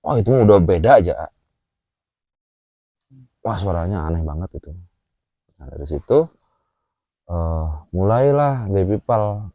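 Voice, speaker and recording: Animated man telling a story. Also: low voice, a little slow, pauses often, no room sound, studio quality. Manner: animated, with frequent filler "ah" and "A", acts out gestures while telling. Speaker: guest telling his experience. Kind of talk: casual storytelling chat.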